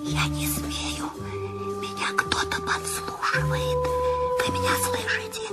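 A frantic, demanding bedridden lady in a 1970s radio play. Her voice sits a little high and swings from insistent pleas to terrified whispers. Music plays clearly behind her. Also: animated, takes it slowly. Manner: panicky, insistent, breaking into whispers. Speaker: Mrs. Stevenson.

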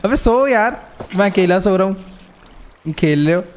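Excitable young man bickering over a game. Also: high voice, measured pace, a little hiss or hum. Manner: excitable, bickering, laughs often. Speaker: gaming streamer. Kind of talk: casual chat while playing a game.

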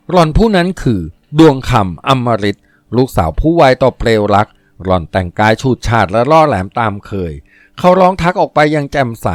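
A man narrating a novel as an audiobook reading in a steady storytelling manner. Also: mid-range voice, dry recording.

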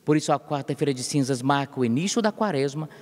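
Lively male priest in an echoing church. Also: medium pitch, fast talker. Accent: Brazilian Portuguese. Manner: lively, preacherly emphasis. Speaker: parish priest. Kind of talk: explanatory interview answer. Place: church interior. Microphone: handheld reporter mic. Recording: long church reverb.

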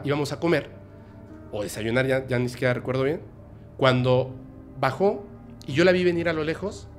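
A man, hosting a podcast, telling a personal story in a halting, emotional way with many restarts. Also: fairly high pitch. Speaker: podcast host.

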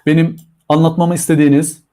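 A man with a Turkish accent teaching a live online English lesson to children, drawing out model phrases slowly. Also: fairly high pitch, flat delivery, mellow.

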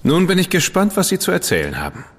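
Sarcastic dandy, cheeky, animated intonation, long reverb. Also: male voice, high voice, a little hiss or hum, full character voice. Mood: sardonic. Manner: sarcastic, quick-witted, cheeky. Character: witty, defiant dandy, man, adult. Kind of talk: radio play acting.

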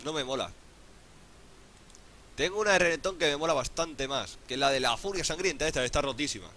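A man with a Spain Spanish accent doing casual gameplay commentary, excitable, swearing often and pleading out loud. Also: on the high side, fairly quick. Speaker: gaming YouTuber.

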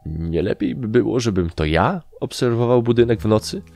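A brash gnome soldier who talks loudly and fast, pitched well above the reader's own low voice, as a male narrator puts him on. He is boastful and always sure he knows best. His lines are lively, with much rise and fall. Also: creaky, faint music behind. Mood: reasoning.

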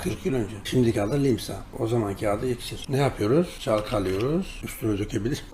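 A man's voice: mid-range voice, a little fast, darkish tone, slight background noise. An older man presenting his herbal products in an emphatic monologue, rattling off long lists and telling anecdotes. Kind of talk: promotional monologue.

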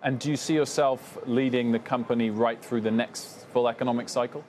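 A young male TV business anchor asking brisk, probing questions in an interview on a trading floor. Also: medium pitch, steady tone, a little mellow, slight background noise. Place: trading floor TV studio, indoors.

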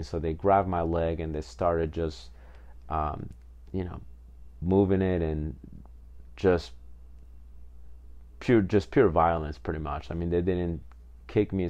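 A very deep-voiced man from Peru hosts a podcast, telling his life story in a loose, rambling way. His voice stays level and even, with many "you know"s and repeated words. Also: highs cut off. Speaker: podcast host. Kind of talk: casual personal storytelling.

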